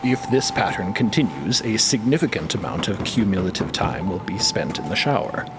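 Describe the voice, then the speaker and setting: Childlike, literal-minded humanoid played by a man, low register, stilted formal delivery, curious and obedient, audio drama. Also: lively intonation, moderate pace, background noise. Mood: puzzled, formal. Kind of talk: scripted audio fiction dialogue.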